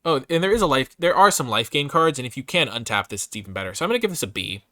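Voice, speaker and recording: Male host, casual game review, very lively intonation, bright forceful tone, dry close sound. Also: medium pitch, rapid-fire, no room sound. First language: English. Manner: opinionated, thinks aloud, hedging and revising his grades. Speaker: host reviewing trading card game cards. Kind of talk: casual off-the-cuff card review commentary.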